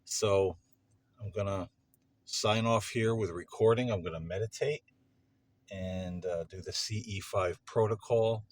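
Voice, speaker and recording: Deep-voiced man, halting delivery. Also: steady tone. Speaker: paranormal vlog host. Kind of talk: casual unscripted talk to camera. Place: parking lot at night.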